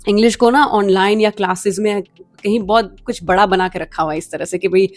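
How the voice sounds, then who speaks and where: A young woman with a mid-pitched voice hosts a lesson and explains things patiently, repeating her key points. Faint music plays behind her. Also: brisk. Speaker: English teacher, channel host. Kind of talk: Hinglish video lesson.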